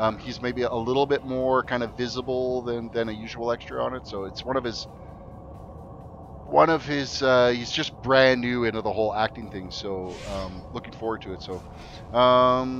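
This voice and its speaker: A man with a Canadian accent at medium pitch, big swings in loudness, music in the background. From western Canada, Vancouver Island. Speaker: video game streamer. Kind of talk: casual live-stream commentary.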